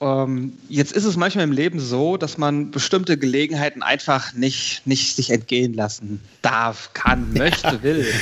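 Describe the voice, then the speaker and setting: A man has a plain, everyday voice. He talks at a fairly slow pace with hardly any pauses. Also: fairly high pitch for a man, ordinary pitch variation. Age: 40s. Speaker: IT company owner. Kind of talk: interview.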